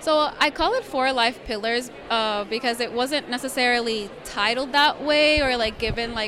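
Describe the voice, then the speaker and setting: With noticeable background noise behind her, a woman talks in a high pitch with fairly even intonation. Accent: American. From Central Florida. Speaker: student researcher. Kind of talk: interview. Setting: live event with crowd.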